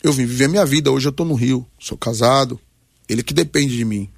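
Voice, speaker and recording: A Brazilian man in his forties with a gravelly, creaky voice of middling pitch, speaking as a pastor. He tells his testimony and exhorts in short, emphatic, preacherly phrases. The sound is dry, with little room around it. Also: fairly quick, no room sound. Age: 40s. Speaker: pastor, guest on a radio debate. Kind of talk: personal testimony and exhortation in a talk programme.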